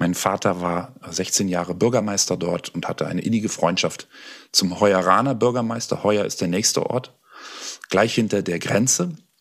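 A man talks at a moderate pace with a fairly low pitch and ordinary pitch variation. He has an unremarkable speaking voice. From northern Germany, North Frisia. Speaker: actor and audiobook narrator. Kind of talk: casual chat.

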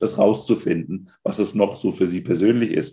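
Moderately paced speech from a man, mid-pitched, with pitch moving in a normal way. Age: 40s. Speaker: leadership coach. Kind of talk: interview. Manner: hesitant fillers.

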